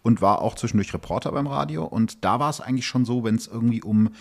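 A man's voice: mid-range voice, fast talker, gravelly. A man talking in a casual, colloquial and self-ironic way, telling stories as a podcast guest. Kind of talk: casual chat, storytelling.

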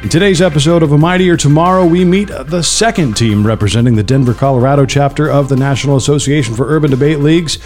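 A man's voice: a little high, fast, hardly any pauses, darkish tone, faint music behind. A man hosting and narrating a series in a scripted, upbeat announcer style.

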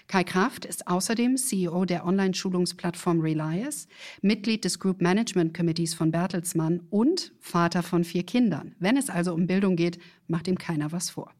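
Low-pitched woman hosting a business podcast. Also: darkish tone. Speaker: podcast host, business journalist. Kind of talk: scripted podcast introduction and interview.

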